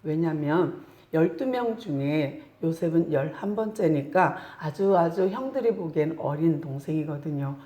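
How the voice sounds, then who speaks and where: Woman pastor, sermon, animated storytelling, mellow low voice, roomy church echo. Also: a little slow, lo-fi sound. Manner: animated storytelling, acts out quotes. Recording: echoey room.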